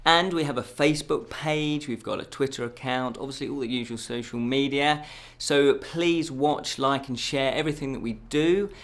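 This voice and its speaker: A man's voice: medium pitch, normal speed, fairly bright tone. A man presenting an informal news show from a script, ad-libbing with self-deprecating jokes and tripping over words.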